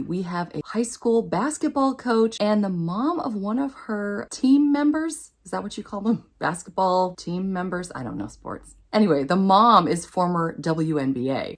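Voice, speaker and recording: A woman hosting a book vlog, chatting to camera with gushing, emphatic enthusiasm. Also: fairly low pitch. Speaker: book vlogger, channel host. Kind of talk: upbeat book chat to camera.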